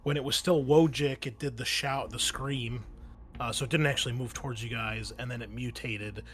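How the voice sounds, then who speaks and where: A man's voice: mid-range voice, fairly even intonation, normal speed, a bit bright. A man, acting as game master in a casual tabletop session, explaining rules informally as he goes.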